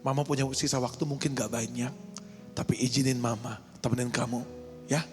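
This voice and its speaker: A man's voice: medium pitch, fairly even intonation, a little fast, voice pushed down, lightly acted. A man voicing his aging mother as she earnestly asks forgiveness, in a reverberant hall with music. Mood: tender. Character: aging stern mother, softened and tearful.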